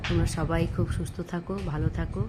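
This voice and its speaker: A woman chatting to viewers in a casual daily vlog, speaking softly because of a sore throat. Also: low-pitched, little pitch movement, fast. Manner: chatty, addresses viewers directly. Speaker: vlogger. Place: home and outdoors, moving around. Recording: noisy phone recording.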